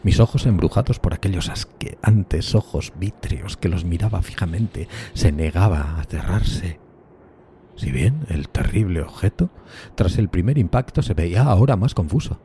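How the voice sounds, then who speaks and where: A man's voice: low voice, lively intonation, moderate pace, mellow, a little hiss or hum. A man playing a lonely, horrified undead outcast who tells his tale in a solemn, anguished, theatrical horror audiodrama style, drawing out emphatic words. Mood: anguished, dazed. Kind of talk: dramatic gothic horror audiodrama narration.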